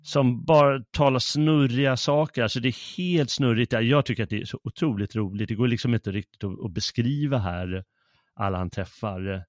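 A man's voice: mid-range voice, no echo, studio quality. A man co-hosting a literature podcast, retelling a play in amused, casual talk with many fillers. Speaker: podcast co-host. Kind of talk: casual chat about literature.

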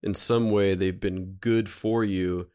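A man hosting a reflective conversation, calmly laying out an idea and checking in with "right?" as he goes. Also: low-pitched, slow, clean tone. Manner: calm, explanatory, often checks in with "right?". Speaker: host.

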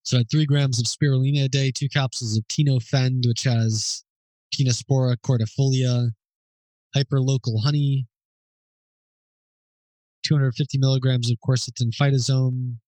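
Male host, mid pitch, dry close sound, informal unscripted Q&A delivery, hesitant and thinking aloud. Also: flat delivery, normal speed, pauses often, a little mellow, no room sound, poor audio. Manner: thinking aloud, hesitant, with fillers and self-corrections; informal and explanatory. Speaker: host answering listener questions. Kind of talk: unscripted question-and-answer.

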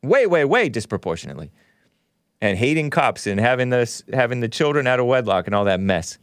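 A man's voice: mid-range voice, very animated, a little fast, clear, resonant tone, no echo, studio quality. Casual man hosting a call-in show. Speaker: talk show host. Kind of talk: casual call-in commentary and caller chat.

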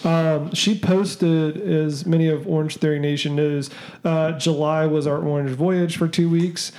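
A man's voice: a little high, fairly even intonation, measured pace, darkish tone. A man hosting a podcast in casual chat, rambling and joking with many "um"s and "uh"s. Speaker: podcast host.

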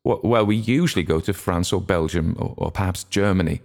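A man's voice: low-pitched, fairly quick, vocal fry, darkish tone. A man voicing an awkward, defensive middle-aged man who stammers at the start of his replies. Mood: flustered.

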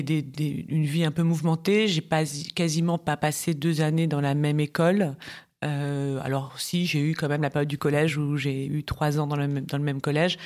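A woman in her forties from Paris, a business tax lawyer chatting as a podcast guest, talking in lively bursts with quick asides and frequent laughs. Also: deep voice. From Paris, France. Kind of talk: casual interview chat.

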